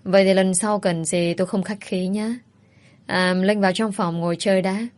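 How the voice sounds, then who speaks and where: A woman's voice: mid-range voice, fairly even intonation, normal speed, a little mellow, lightly acted. A woman voicing an indignant young single mother who speaks firmly. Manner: firm, indignant.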